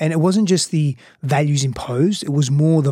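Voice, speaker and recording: A man speaks with an Australian accent, fairly high in pitch and somewhat breathy. His pitch varies in an ordinary way. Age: 40s. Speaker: relationship coach. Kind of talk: casual interview.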